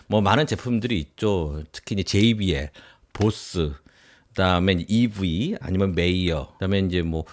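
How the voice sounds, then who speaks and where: A man presenting a product review in an informal explanatory way, posing his own questions and stressing his sentence endings. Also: mid-range voice.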